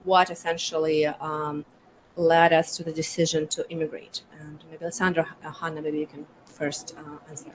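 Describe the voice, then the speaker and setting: Seorang wanita dari Ukraina memandu diskusi panel dengan banyak jeda dan kata pengisi. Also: female voice, low voice, little pitch movement, normal speed, a little hiss or hum, low-quality recording. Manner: hesitant, many fillers. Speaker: panel moderator. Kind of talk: conversational panel hosting.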